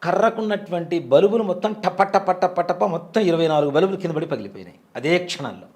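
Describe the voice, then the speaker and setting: Forties male priest, fast earnest storyteller with a raised voice, for an interview piece. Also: sits high, lively intonation, darkish tone. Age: 40s. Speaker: temple priest and devotional guest.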